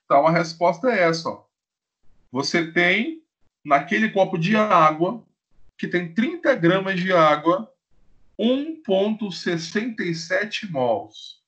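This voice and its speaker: A man's voice: sits high, animated, slow, fairly bright tone. A man with a Brazilian Portuguese accent teaching a live online chemistry class, playful and joking as he acts out little scenes with students. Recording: dull lo-fi stream audio.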